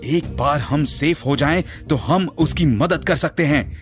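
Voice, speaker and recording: An actor playing a stern, pragmatic priest in a horror audio drama, speaking firmly with urgent command. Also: male voice, fairly high pitch, unhurried, soft background music, lightly acted.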